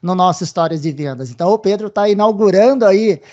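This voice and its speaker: A man's voice: high-pitched, lively intonation, quick pace, dull audio. A man hosting an interview show with a Brazilian accent, speaking to the audience in an upbeat, welcoming way. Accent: Brazilian Portuguese. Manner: warm, upbeat, addresses the audience directly. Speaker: podcast host.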